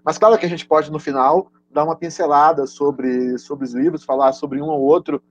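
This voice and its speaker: A man's voice: a little high, steady tone, normal speed. A Brazilian man hosting a casual educational live stream, speaking hesitantly and often restarting his words. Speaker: host and teacher. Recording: dull, lo-fi online stream audio.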